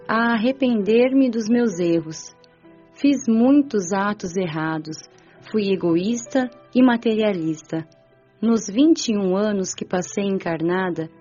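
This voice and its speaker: Dull, lo-fi audio with music underneath carries a woman acting a young female spirit in an audiobook drama. The voice is mellow and measured, confessing with sincere humility and regret. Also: medium pitch.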